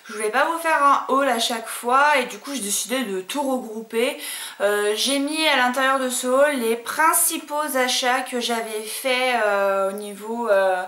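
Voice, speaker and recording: A woman's voice: a little high, unhurried, fairly bright tone, echoey room. A woman talking casually and enthusiastically to camera in a beauty haul video, with lots of fillers. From France. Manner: chatty, enthusiastic, many fillers. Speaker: beauty vlogger. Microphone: camcorder mic.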